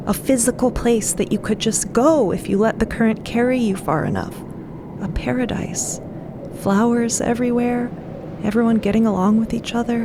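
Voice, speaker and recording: A woman voicing a sweet, anxious, tired young adventurer in an audio drama, speaking in a hesitant, earnest, halting way. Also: fairly high pitch, background noise.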